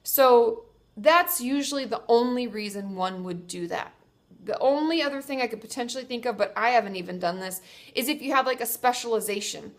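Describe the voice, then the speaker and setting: A woman's voice: a little high, fairly quick. A young woman therapist with a congested, stuffy nose, giving chatty, reassuring advice to viewers and correcting herself as she goes. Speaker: therapist answering viewer questions. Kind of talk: casual advice vlog.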